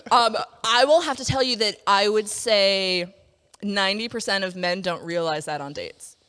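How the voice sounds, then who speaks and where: A woman's voice: medium pitch, moderate pace, fairly bright tone, clean tone, long reverb tail. Blunt, swearing woman in her forties. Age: 40s. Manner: blunt, profane storytelling. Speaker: podcast host. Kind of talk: casual chat.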